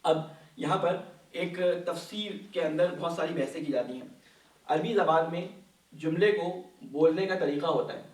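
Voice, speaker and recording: A man's voice: fairly high pitch, far from the mic. A man teaching a Quran lesson, patiently explaining and asking his listeners questions. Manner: patient, asks the class questions and answers them. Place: mosque hall. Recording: echoey hall, voice from off-mic.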